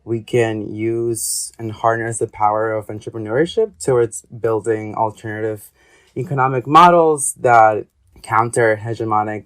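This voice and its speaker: A man's voice: fairly low pitch, fairly bright tone. A young adult man from Ecuador, an interview guest talking casually with hesitant, rambling speech and many fillers. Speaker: guest, artist and graduate student.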